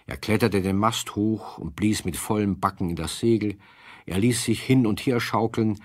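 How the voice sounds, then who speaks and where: Male narrator, lowish, raspy, dry studio sound, scripted children's storytelling. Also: no room sound.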